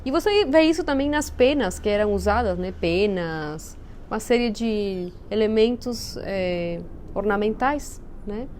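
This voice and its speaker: Peruvian woman, unhurried explaining. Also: mid-range voice, lively intonation, darkish tone, a little hiss or hum. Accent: Peruvian Spanish. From Peru. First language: Spanish. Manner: thoughtful, explanatory, searching for words. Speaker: interview guest. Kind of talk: casual interview chat.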